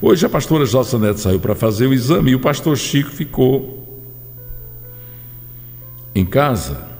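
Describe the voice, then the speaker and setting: Gravelly-voiced pastor reading testimonies. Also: male voice, medium pitch, very animated, darkish tone. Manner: fervent preaching, drawn-out phrases. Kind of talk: reading testimonies on a church broadcast. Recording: long hall reverb with faint music.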